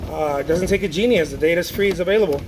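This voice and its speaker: A man's voice: on the high side, very fast, poor audio. A man from Mexico, an artist chatting casually on a livestream, rambling with many restarts and reading viewer comments aloud. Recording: noticeable background noise.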